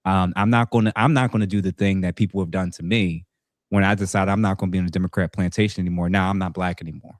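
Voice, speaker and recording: A podcast host, a man, calmly clarifying points and moderating a panel talk. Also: low-pitched, dry recording, studio quality. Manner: measured, clarifying, affirming with frequent "mm-hmm".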